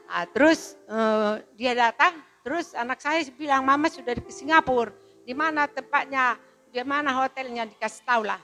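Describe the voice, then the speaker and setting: A woman's voice: high voice, moderate pace, faint music behind. A woman in her seventies, giving an emotional spoken testimony to a congregation and acting out the people in her story. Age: 70s. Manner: emotional, storytelling, quotes people in lively voices. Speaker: church testimony speaker.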